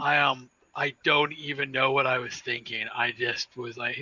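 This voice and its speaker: In a put-on character voice, a man speaks raspy and monotone at a moderate pace and medium pitch, with a dry, close sound and no echo. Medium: actual play. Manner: slurring, stammering.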